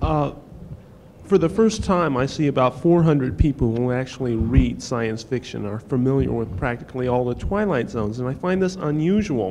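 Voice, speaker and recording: Lively intonation marks this man's speech, heard over noticeable background noise. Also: medium pitch for a man, moderate pace. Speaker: audience member. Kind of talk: audience question. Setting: audience microphone.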